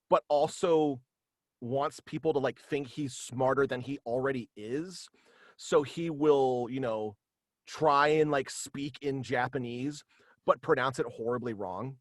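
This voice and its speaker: Male interview guest, mid-pitched, enthusiastic and hesitant, talking casually over a dry-sounding video call. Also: fairly bright tone, no room sound. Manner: hesitant, enthusiastic, chuckles often. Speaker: guest, writer of a superhero radio play. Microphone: home video call.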